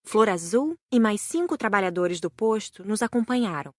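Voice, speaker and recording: A woman's voice: medium pitch, lively intonation, moderate pace, dry recording, clean studio sound. A woman with a Brazilian accent reading a scripted first-person audiobook narration.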